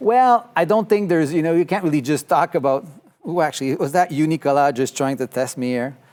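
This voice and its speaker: At a fairly quick pace, a man talks in a fairly high pitch with lively intonation. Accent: French-Canadian. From Quebec. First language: French. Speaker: software trainer. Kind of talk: online training session. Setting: online webinar. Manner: halting, filler-heavy.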